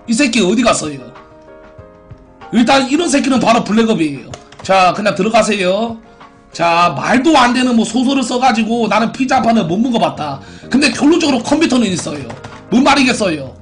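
A man's voice: very high-pitched, fairly bright tone. A man in his twenties hosting a live stream, reading out viewer posts and giving theatrical announcer-like verdicts in a brash, crude, mocking way. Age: 20s. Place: small indoor room at a computer.

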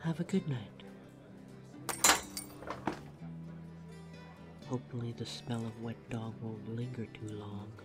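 A man's voice: lowish voice, normal speed, close to an everyday voice. A man playing a courteous but snide vampire barista in an audio roleplay, polite, dry and teasing. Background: music behind the voice.

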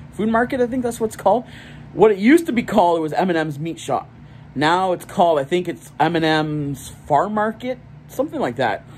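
Talking into a phone he holds at arm's length, this man in his thirties vlogs about his day, wandering off topic and fixing his words with small laughs. His mid-range voice has a somewhat dark tone, with slight hiss or hum behind it. Scenes move from beside a parking lot outside to an armchair indoors.

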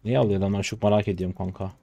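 A man in his twenties from Turkey giving casual live commentary on his own gameplay, chatty and trash-talking, with sudden loud excited shouts, on a close desk mic. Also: on the low side, rapid-fire, creaky, no room sound, highs cut off. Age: 20s. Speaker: gaming streamer.

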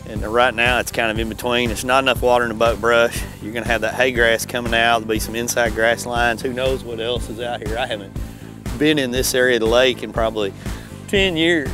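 A middle-aged man hosting a fishing show, giving casual, conversational commentary in a folksy way. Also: mid-range voice.

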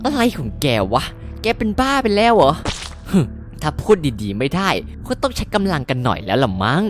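A woman's voice: low-pitched, wildly swooping pitch, brisk, faint music behind, pitched below the performer's own voice. A woman voicing a sneering, threatening male street bully in a game cartoon. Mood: menacing. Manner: sneering, menacing.

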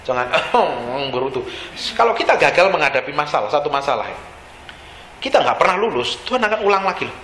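A man preaching to his congregation in a casual, slangy sermon, voice pitched high and swinging widely up and down. He keeps firing questions at the listeners. The sound is roomy and echoing, with a faint hum of ambience behind. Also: very animated, fast talker, a bit bright. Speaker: pastor. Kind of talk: lively sermon. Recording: echoey hall with faint ambience.

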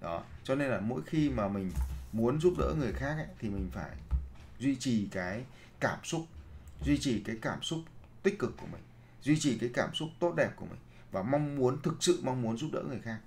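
A man's voice: mid-range voice, expressive, normal speed, a little mellow, a little hiss or hum. A man giving a seminar lecture as a leadership trainer, posing rhetorical questions, then answering them himself, and repeating his key phrases to the audience.

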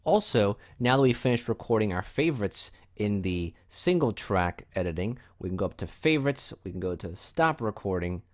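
A man with a fairly low voice hosts a software tutorial. He talks in an informal, casual way and walks the listener through things step by step. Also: expressive, normal speed, hardly any pauses. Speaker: tutorial host. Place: indoors, voice-over for screen recording.

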